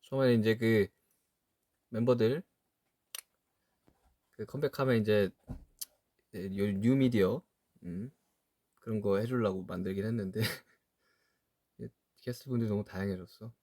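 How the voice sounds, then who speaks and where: Brief: man about thirty, lowish voice, dry close mic, relaxed livestream chatter that trails off. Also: unhurried, long pauses, no echo. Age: 30s. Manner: musing, trails off, soft laughs. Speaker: livestream host reading chat. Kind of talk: casual livestream chat.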